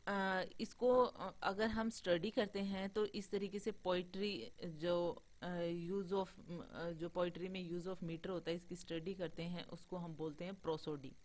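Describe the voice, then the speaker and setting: A woman's voice: on the low side, fairly even intonation, a little slow, hardly any pauses, a little mellow. A woman teaching an online class on poetic meter, mixing English terms into her explanation, with frequent filler sounds and restarts.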